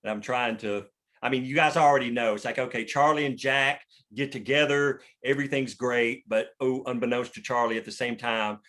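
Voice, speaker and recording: A man's voice: medium pitch, fairly even intonation, brisk, a bit bright. A man leading a casual script discussion, explaining his thinking informally with the odd swear word. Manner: informal, explanatory, occasionally profane. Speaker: writer leading a script table read.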